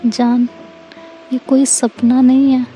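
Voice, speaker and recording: Woman reading a young woman lover, high voice, little rise and fall, affectionate and pleading. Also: level tone, slow, warm tone, faint music behind, rough recording. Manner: affectionate, pleading, mixes English phrases. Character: young woman, teasing and shy lover, later apologetic.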